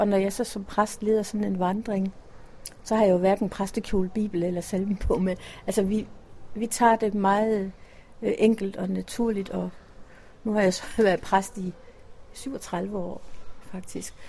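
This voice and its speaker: Her tone is dark and mellow, somewhat breathy, at a medium pitch for a woman. She speaks at a fairly slow pace in a monotone, flat intonation with long, frequent pauses. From Denmark, Ærø. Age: 60s. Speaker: pilgrim pastor. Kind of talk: interview. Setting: airport.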